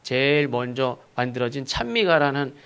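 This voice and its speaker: A male pastor preaching a sermon, asking rhetorical questions and acting out sharp rebukes. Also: mid-range voice, animated, normal speed, smooth. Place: church sanctuary.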